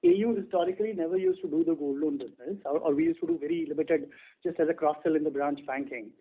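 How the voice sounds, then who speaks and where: Indian guy exec explaining stuff on an earnings call, higher voice, muffled phone sound. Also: big pitch swings, fast talker, creaky, slightly rough. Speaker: bank executive. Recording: muffled band-limited conference phone line.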